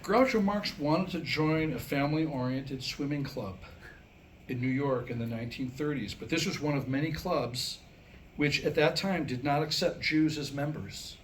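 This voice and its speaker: A man's voice: fairly high pitch, normal speed. A man telling Jewish jokes to a small live gathering as a storyteller, acting out the dialogue. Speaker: joke teller at a staged script reading. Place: live staged reading in a room. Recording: noisy live room recording.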